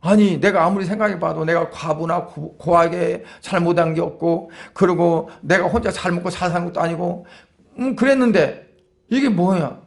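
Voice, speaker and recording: Defensive suffering Job, as a preacher puts him on. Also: male voice, sits high, normal speed, vocal fry. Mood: protesting. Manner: protesting, defensive.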